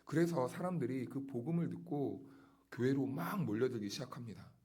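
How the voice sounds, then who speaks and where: A man's voice: medium pitch, fairly quick, dark tone, husky. A male pastor giving an early-morning sermon, explaining scripture in a conversational way and asking pointed rhetorical questions. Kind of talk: dawn service sermon.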